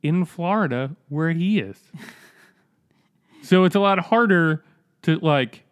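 A man co-hosting a podcast, making dry deadpan jokes in casual comedic chat. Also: on the high side, takes it slowly, clear, resonant tone, no room sound. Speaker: podcast co-host.

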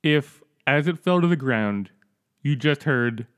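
A man co-hosting a podcast, making dry deadpan jokes in casual comedic chat. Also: medium pitch, measured pace, clean tone, dry recording. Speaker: podcast co-host.

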